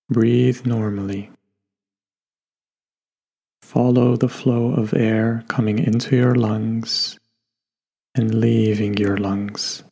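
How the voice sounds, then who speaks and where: A man guiding a meditation in a gentle, unhurried way, leaving long pauses between instructions. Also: fairly low pitch, vocal fry, husky. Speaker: meditation guide. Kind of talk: guided meditation narration. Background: soft background music.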